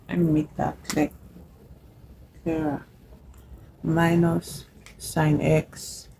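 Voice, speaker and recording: Nigerian woman, low gravelly voice, casual encouraging maths tutor, slows down for formulas. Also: background noise. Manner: chatty and encouraging, checks in with "yeah?" and "okay?"; slows down to spell out formulas while writing. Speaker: math tutor vlogger. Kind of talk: casual whiteboard lesson.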